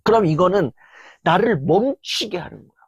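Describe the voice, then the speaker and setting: During a filming session, a lecturer gives an earnest motivational talk, voice worn from hours of recording, breaking into sudden loud bursts to act out inner voices. The voice is medium-pitched, expressive and slightly rough, at normal speed with no echo.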